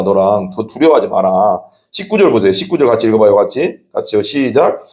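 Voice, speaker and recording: A man's voice: mid-range voice, a little mellow. A male pastor preaches in a chatty, direct way, often asking his listeners questions and answering them himself. His voice sits in a middle register but rises and falls widely, jumping up for sudden emphatic exclamations. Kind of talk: sermon.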